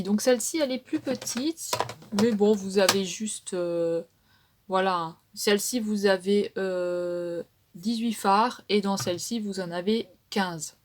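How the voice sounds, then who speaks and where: A woman talks casually through her makeup palettes in a home beauty vlog. Her speech is chatty and hesitant, with frequent fillers and trailing tag words. Her voice sits at an ordinary middle pitch for a woman. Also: darkish tone. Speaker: beauty vlogger.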